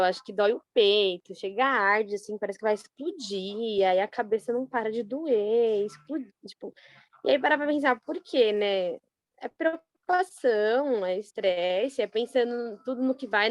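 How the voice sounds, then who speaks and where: A Brazilian woman in a study group, telling a personal story in a chatty, animated way with many fillers. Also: medium pitch, normal speed, dry recording. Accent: Brazilian Portuguese. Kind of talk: casual personal account.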